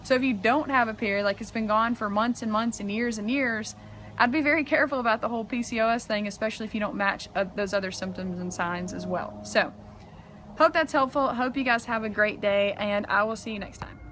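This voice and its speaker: A woman's voice: on the high side, steady tone, a little fast, fairly bright tone, a little hiss or hum. A young woman giving casual, chatty advice as a health coach in a vlog, filled with "like" and "um", recorded outdoors on a camera mic. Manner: chatty, frequent "like" and "um". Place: outdoors in strong sun.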